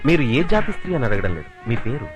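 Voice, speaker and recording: A man's voice: medium pitch, wildly swooping pitch, fast talker. An actor voicing a teasing, flirtatious man chatting up a woman in a dubbed film scene. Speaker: flirtatious man offering a lift. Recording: film music underneath.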